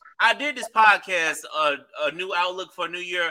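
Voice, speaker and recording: Raising and projecting his high voice, a man speaks in an animated tone. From Florida. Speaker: podcast host. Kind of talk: casual chat.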